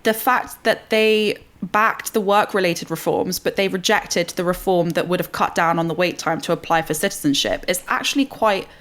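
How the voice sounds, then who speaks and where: A woman's voice: lowish voice, normal speed, few pauses, a bit bright. A woman speaking as a panellist in a news discussion, articulate and analytical in the way she sets out her points.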